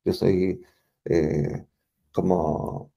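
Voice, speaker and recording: A Chilean man answers interview questions in a reflective, searching way, circling back and restarting his sentences as he thinks. His voice is mellow and dark, with a gravelly rasp underneath. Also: deep voice, little pitch movement, drawn-out words, highs cut off. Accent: Chilean Spanish. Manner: thoughtful, searching for words, frequent restarts and fillers. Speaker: interview guest.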